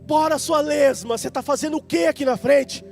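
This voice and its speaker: A man's voice: very high voice, a little fast, creaky, faint music behind, voice pushed up. A man with a Brazilian accent voicing a rude, aggressive male customer who barks insults. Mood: impatient. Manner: loud, barking, insulting.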